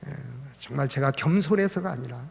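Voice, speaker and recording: A man's voice: a little high, expressive, a little fast, gravelly. Older male pastor preaching in a reverberant church. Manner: storytelling with rising emphatic exclamations. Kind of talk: sermon. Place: church sanctuary.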